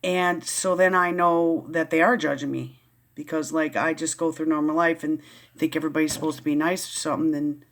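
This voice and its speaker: A woman's voice: low-pitched, steady tone, a little fast. Woman vlogger, casual read-aloud with riled, rambling asides. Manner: rambling, easily riled, many restarts. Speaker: vlogger reading a Christian book aloud. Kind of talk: casual reading and commentary.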